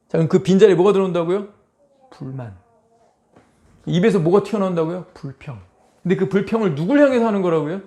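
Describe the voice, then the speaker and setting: A male pastor preaches emphatically, firing rhetorical questions at the congregation and acting out quoted voices in dramatic asides. His voice is a little high with a dark tone.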